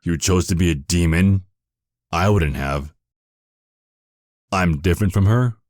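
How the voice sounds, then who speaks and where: A man's voice: low-pitched, unhurried, a little mellow, no echo, studio quality. A man playing a stern, self-righteous archangel in an audio drama, speaking in a cold, commanding, condescending way. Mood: stern, disdainful.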